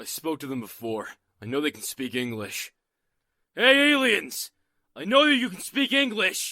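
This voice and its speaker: A man in a put-on character voice, high-pitched, at a moderate pace with very wide pitch swings and long, frequent pauses. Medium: audio drama. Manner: plain-spoken, blunt.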